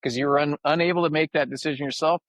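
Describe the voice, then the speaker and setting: A man's voice: on the high side, steady tone, very fast, fairly bright tone, no room sound. A man hosting a podcast, chatting casually and relating his own experience to his guest. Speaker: podcast host. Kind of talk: casual interview chat.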